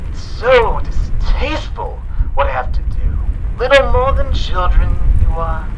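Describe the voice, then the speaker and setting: A man's voice: high voice, expressive, unhurried, dull audio, slight background noise. A man playing a theatrical, sadistic and playful mad clown supervillain in an audio drama, with taunting, exaggerated delivery. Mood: mock regret, relish.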